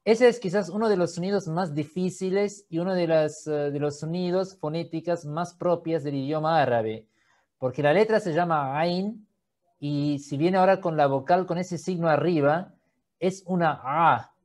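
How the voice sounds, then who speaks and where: A man teaching an online lesson, patiently demonstrating sounds and often checking in with a quick question. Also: on the high side, darkish tone. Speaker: Quran reading teacher.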